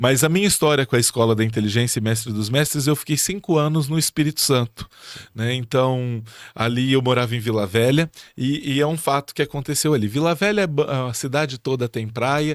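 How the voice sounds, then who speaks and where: A man talks at a fairly quick pace in an interior São Paulo accent, his pitch medium. The sound is dry and close with no echo, on a very clean recording with a silent background. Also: ordinary pitch variation. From interior of São Paulo state, Brazil. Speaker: teacher and education speaker. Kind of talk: casual podcast conversation. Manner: storytelling, conversational.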